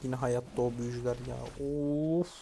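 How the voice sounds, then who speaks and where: A man commentating his own mobile game match, chatting casually, swearing lightly and shouting orders at teammates. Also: mid-range voice, steady tone, moderate pace, vocal fry, slight background noise. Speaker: gaming YouTuber. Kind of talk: live gameplay commentary.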